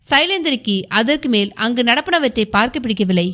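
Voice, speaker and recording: A woman reading a historical novel aloud in measured storytelling. Her voice sits high and bright, and her pitch moves widely from phrase to phrase. The reading is scripted and steady. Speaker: audiobook narrator.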